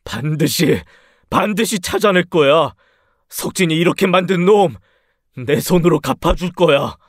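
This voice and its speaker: A grief-crazed husband bent on revenge in a story radio drama, raging and threatening. His voice sits notably high for a man, and the recording is close and dry with no room sound. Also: lively intonation, unhurried, no room sound. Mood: seething.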